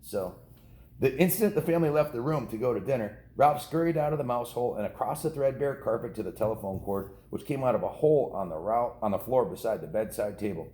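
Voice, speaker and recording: This man's voice is medium-pitched, expressive, fast and warm. As a storybook reader at home, he casually reads a children's novel aloud and ad-libs informal asides to kids, in a roomy, echoing indoor recording.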